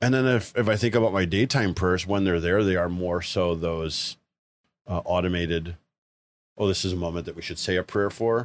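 In a very clean recording with a silent background, a man talks at a moderate pace in a very deep, low pitch with ordinary pitch variation. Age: 40s. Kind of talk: casual chat.

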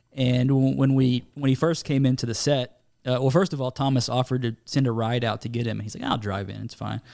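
Fairly quick and medium in pitch, this man speaks with fairly even intonation. His tone is dark and mellow. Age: 40s. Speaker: indie film writer-director and novelist. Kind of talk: casual interview chat. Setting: studio.

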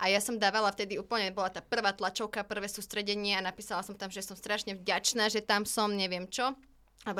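Fairly quick speech from a woman at medium pitch, bright and sharp in tone, on a very clean recording with a silent background. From Slovakia, Kežmarok (Spiš). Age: 20s. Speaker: beauty pageant contestant. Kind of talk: casual chat.

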